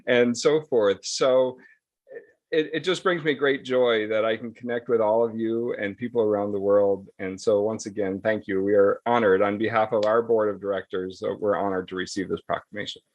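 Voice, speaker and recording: A man joins by group video call, and his low voice comes through dry and close on a computer mic. He speaks in an earnest, reflective way and laughs gently now and then. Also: fairly even intonation, normal speed, dry recording, muffled recording. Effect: heard over a group video call. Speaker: guest from a nonprofit receiving a proclamation. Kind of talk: heartfelt acceptance remarks.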